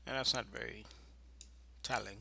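A man presenting an informal screencast tutorial, explaining in a halting, improvised way. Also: fairly low pitch, steady tone, gravelly, pushed and bright, husky.

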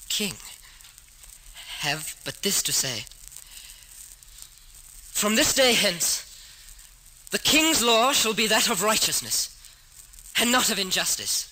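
Boy pauper on a throne: compassionate, solemn, halting radio drama delivery, very bright, hissy old recording. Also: sits high, exaggerated voice, poor audio. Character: earnest compassionate pauper boy posing as king.

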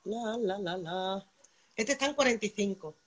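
A woman's voice: mid-range voice, moderate pace. A woman from Spain selling jewelry on a live stream, chatting to viewers, greeting them by name and checking in with a constant "vale". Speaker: online jewelry seller. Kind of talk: live-stream sales pitch.

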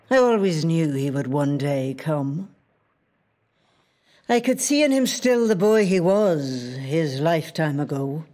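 An actress with a Northern Irish accent playing an ancient, watchful lake spirit in a literary audio drama, speaking in measured, hushed poetry. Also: female voice, low-pitched. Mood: wistful remembering. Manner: measured, hushed, poetic storytelling. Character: ancient female spirit of a wild mountain lake, watchful, possessive.

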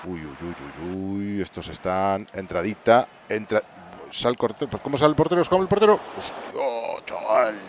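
A man commenting on his own football video game match, excitable, playing mock sports commentator and breaking into bursts of cheering, recorded at home. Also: on the low side, normal speed, hardly any pauses, slight background noise. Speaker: gaming channel host. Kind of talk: excited let's-play commentary. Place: home room at night.

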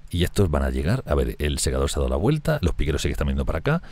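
A man commenting on a strategy game he is playing, talking fast and excitably, swearing and laughing often. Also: a bass voice, no room sound. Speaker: gameplay streamer.

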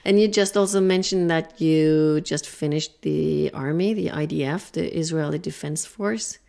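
A woman's voice: sits low, a little slow, vocal fry, dark tone. A woman hosting a podcast interview. She is chatty and stumbles over some words as she asks questions. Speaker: podcast host.

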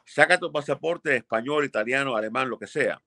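A man's voice: mid-range voice, a little fast, pushed and bright, dry recording. Older male immigration lawyer, emphatic and blunt, dry webcam sound from a home office. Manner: emphatic, blunt, repeats for stress. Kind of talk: expert answering viewer questions. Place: home office with framed pictures.

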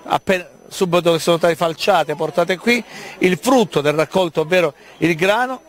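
A man's voice: high-pitched, moderate pace. A man working as a TV reporter, chatty and inquisitive, interviewing people live on location. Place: outdoors at a busy village street festival.

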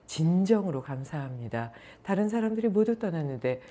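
A woman's voice: fairly low pitch, big pitch swings, fairly quick, warm tone. A woman voicing a male politician earnestly thanking his last listener. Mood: grateful.

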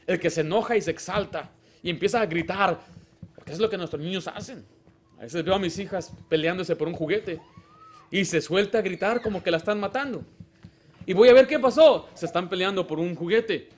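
A man preaching a sermon as pastor, animated, with sudden loud exclamations and quiet asides, and acting out other people in quoted lines. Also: sits high, a little fast, slight background noise. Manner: acts out children and church members in quoted lines.

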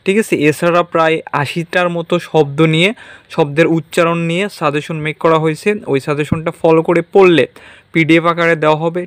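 In a dry recording, a young online tutor with a fairly high voice runs a relaxed exam-prep language lesson. He keeps saying "ঠিক আছে" ("okay") and slips English words in as he goes.

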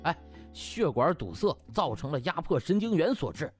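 A man's voice: fairly high pitch, very animated, normal speed, a little mellow, soft background music. Man playing a cocky young doctor, theatrically mock-concerned. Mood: mocking alarm. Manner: theatrical, mock-solicitous, wordy. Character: cocky young male doctor mockingly feigning fawning concern.

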